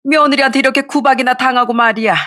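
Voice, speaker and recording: A woman's voice: high-pitched, steady tone, fast, fairly bright tone, dry recording, studio quality, voice pushed up. A woman voicing an older, scolding and self-pitying mother-in-law in a told story. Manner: scolding, complaining.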